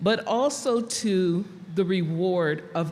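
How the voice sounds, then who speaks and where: In an American accent, a woman speaks with lively intonation and a somewhat breathy voice, with audible room echo around her. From California. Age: 60s. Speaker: graduating student. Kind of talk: commencement speech. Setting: stage with audience.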